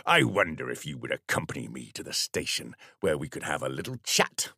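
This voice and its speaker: A man voicing a smug police sergeant who speaks in a formal, pompous, measured way. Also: very deep voice, sing-song, vocal fry, pushed and bright, no echo, clean studio sound, pitched below the performer's own voice, exaggerated voice.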